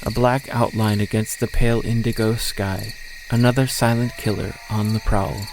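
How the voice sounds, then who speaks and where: A man's voice: lowish voice, level tone, normal speed, noisy background. A man reading a scripted story as the narrator of an audio drama. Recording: faint outdoor nature ambience.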